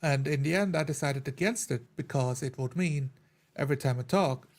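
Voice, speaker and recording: A man's voice: medium pitch, moderate pace. A man talking casually as a player in a tabletop roleplay group. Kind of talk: casual chat.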